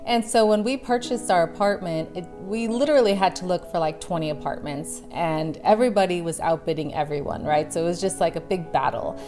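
An American woman in her thirties speaking in an upbeat, chatty way from a bright living room. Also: fairly low pitch, a little fast, hardly any pauses, soft background music. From Illinois, United States. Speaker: interviewee, expat.

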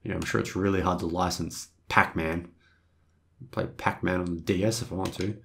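A man's voice: low voice, steady tone, normal speed, gravelly, a bit bright. A hungover man giving loose, rambling, joking, self-mocking casual commentary as he hosts a video game review.

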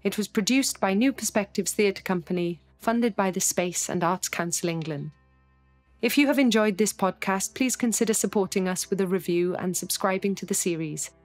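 A woman's voice: mid-range voice, moderate pace, faint music behind. A woman announcer giving a scripted read of closing credits for a podcast.

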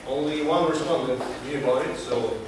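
A man's voice: on the high side, normal speed. A young man from Kazakhstan giving a prepared speech to a club audience in a small meeting room, earnest and hesitant with many fillers. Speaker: club speaker. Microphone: far camera, no mic. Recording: echoey room from far off, noisy.

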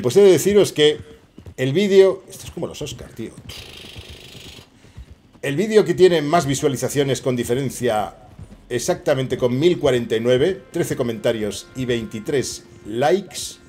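A middle-aged man from Spain speaks with a Spanish accent in a mellow, relaxed tone. He jokes and curses casually while narrating his game to viewers. His voice comes close through a headset mic in a small room. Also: medium pitch. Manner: joking, swearing, chatty asides to viewers. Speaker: gaming channel host. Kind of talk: casual gameplay commentary.

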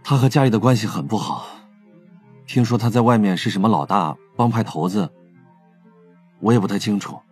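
A candid young brother and police investigator in an audio drama. His voice is husky and on the low side, earnest and a little hesitant, with music underneath. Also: brisk, pauses often. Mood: earnest, subdued. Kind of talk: Chinese audio drama acting.

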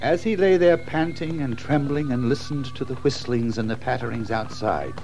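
A man's voice: medium pitch, moderate pace, a little mellow, soft background music, rough recording. A man narrating a children's story in a theatrical, suspenseful manner. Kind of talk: dramatic scripted storytelling.

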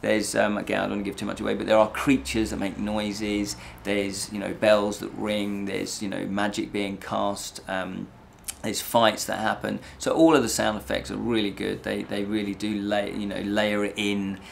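Man, middle-aged, deepish creaky voice, casual rambling reviewer, repeats phrases. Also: level tone, normal speed, a little hiss or hum. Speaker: host of a fantasy review show. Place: small indoor set with draped backdrop.

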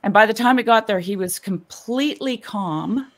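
A woman's voice: medium pitch, moderate pace. A woman telling personal stories casually on a video call, earnest, in short emphatic phrases. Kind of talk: casual personal storytelling and discussion.

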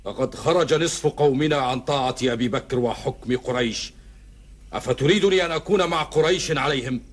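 An actor playing a proud, defiant middle-aged tribal rebel in a historical epic drama, declaiming in formal Arabic with challenging rhetorical questions. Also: male voice, medium pitch, fairly quick, close to an everyday voice. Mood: angry defiance.

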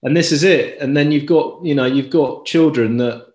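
A man in his forties talking reflectively and haltingly as an interview guest, repeating phrases for emphasis. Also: a little high, darkish tone. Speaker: interview guest, squash coach. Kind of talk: conversational interview. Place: indoor room at home, on a video call. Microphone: video call. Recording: roomy, echoey video call.

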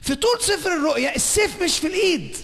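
A man with an Egyptian Arabic accent preaching a sermon at a conference, swinging between shouting and hushed whispers. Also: very high voice, animated, very fast, vocal fry, in a large hall. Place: large conference hall.

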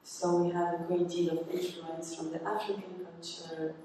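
A woman from Tunisia, an artist explaining her work in a measured way on a gallery panel into a handheld mic. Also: fairly low pitch, little pitch movement, mellow, slight background noise. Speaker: exhibiting artist. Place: large museum gallery, indoors. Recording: echoey gallery, distant mic.

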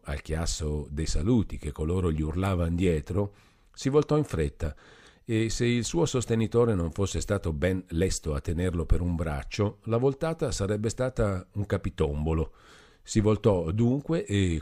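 Guy reading an old classic novel, low voice, lots of ups and downs. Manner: expressive, measured storytelling. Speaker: narrator. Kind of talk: scripted narration of a classic novel.

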